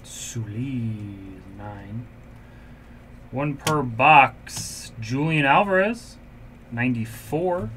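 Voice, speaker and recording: A man's voice: mid-range voice, expressive, extremely slow, fairly bright tone, a little hiss or hum. A man hosting a card break, casually calling out cards and numbers as he opens packs in a shop room.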